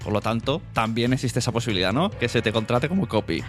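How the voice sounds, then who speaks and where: Low voiced guy hosting a podcast, chatty, music underneath. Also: animated, fast. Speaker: podcast host. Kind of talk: casual interview chat and promotion.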